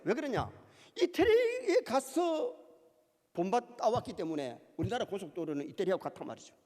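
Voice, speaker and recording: A male pastor preaching a sermon, lively and emphatic, with quoted asides. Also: sits high. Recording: church hall reverb.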